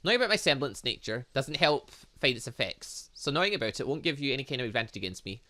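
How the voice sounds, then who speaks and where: Man reading as earnest young warrior woman, bright. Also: medium pitch, sing-song, fast. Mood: modest, matter-of-fact. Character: modest, earnest young woman warrior explaining her power. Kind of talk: reading visual novel dialogue aloud.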